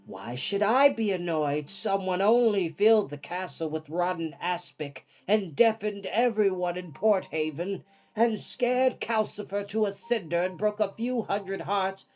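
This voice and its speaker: A storyteller voicing a grumpy old woman from a fantasy storybook, grumbling with drawn-out, emphatic sarcasm. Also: mid-range voice, a little mellow, highs cut off, faint music behind, voice pushed up, natural voice. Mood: sour, sarcastic.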